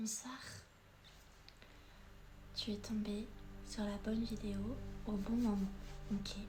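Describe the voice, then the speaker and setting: A woman talks at a very slow pace in a monotone, flat intonation. She leaves long, frequent pauses over noticeable background noise. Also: medium pitch for a woman. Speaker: ASMR creator. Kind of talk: ASMR positive affirmations for breakup healing. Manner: soft, calming, intimate.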